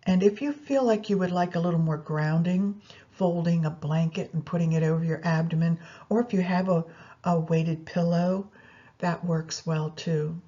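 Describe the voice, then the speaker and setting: Mellow, slightly husky woman guiding meditation. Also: on the low side, fairly even intonation, normal speed, muffled recording. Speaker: yoga nidra meditation guide. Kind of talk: guided meditation instruction, spoken gently to listeners.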